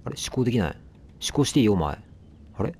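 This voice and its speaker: A man's voice: medium pitch, very animated, fast talker, dark tone, slightly rough. Guy rambling thru a let's play, voice jumps up and down a lot, talks back at the game. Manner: chatty, talks back at the game, apologizes for noise. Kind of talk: casual game commentary.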